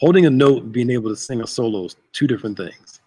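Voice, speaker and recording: This is a man in his thirties with a husky, dark-toned, mid-range voice who talks fast. He's a pastor hosting a casual chat show from a church sanctuary, and he keeps things laid-back and full of jokes.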